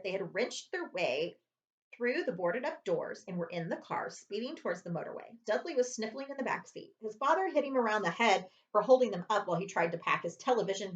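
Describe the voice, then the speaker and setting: A woman's voice: mid-range voice, muffled recording. A woman reading a children's chapter book aloud as a librarian would to students, expressively and with dramatic emphasis.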